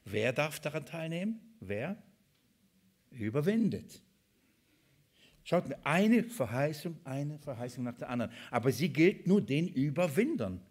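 A man's voice: fairly high pitch, measured pace, slightly rough. A man preaching a sermon who reads scripture with strong emphasis and keeps asking the congregation questions. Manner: lively, asks the congregation questions.

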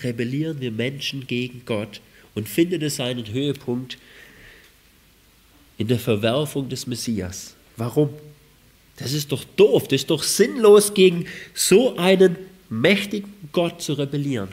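A man's voice: fairly high pitch, expressive, unhurried. A man preaching a sermon with a cold, reading scripture with rising emphasis and asking rhetorical questions. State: has a cold.

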